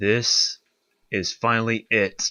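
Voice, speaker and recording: A man's put-on character voice at a medium pitch. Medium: video game. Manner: earnest, determined.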